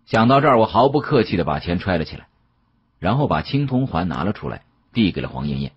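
A man narrating a mystery novel as an audiobook, in an expressive, dramatic first-person storytelling style. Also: deep voice, quick pace, husky, lo-fi sound.

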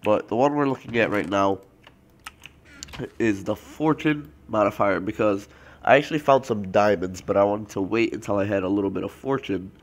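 A young man with a low-ish voice and a thick, stuffy nose from a cold. He chats loosely over his gameplay, full of fillers and self-corrections, speaking into a desk mic at his computer. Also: moderate pace. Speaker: let's play host. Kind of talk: casual gameplay commentary.

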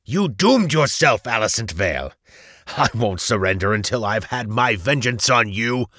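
Guy doing furious necromancer villain for a fantasy audiobook, loud bellowing threats, spitting venom, really dry sound. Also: fairly low pitch, animated, normal speed, no room sound, pitched above the performer's own voice. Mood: defiant rage. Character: wrathful male necromancer villain, defiant and menacing. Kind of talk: dramatic fantasy audiobook character.

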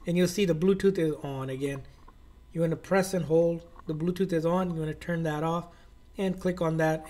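Slightly high-pitched man giving tech instructions. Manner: instructional, informal, repetitive phrasing. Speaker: tech tutorial host. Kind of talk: step-by-step how-to narration.

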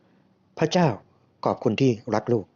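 A soft-spoken, devout Filipina woman, as a male narrator puts her on, patient and coaxing as she speaks slowly and calmly. The voice stays mellow and warm, and the recording is a little muffled and lo-fi. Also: mid-range voice, natural voice. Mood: solemn. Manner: slow, calm, coaxing delivery.

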